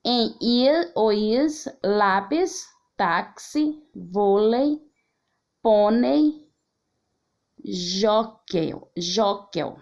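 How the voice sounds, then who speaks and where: A woman teaching an online class, slowly reading out word examples one by one. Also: a little high, animated, a little mellow.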